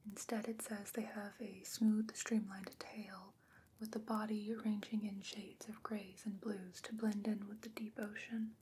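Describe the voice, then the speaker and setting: Soft whispery scholar lady woman acting it for fantasy asmr roleplay, patient n measured, pretty flat pitch, hissy recording w clicks. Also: natural voice, rough recording. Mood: calm, studious. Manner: hushed, measured, explaining patiently.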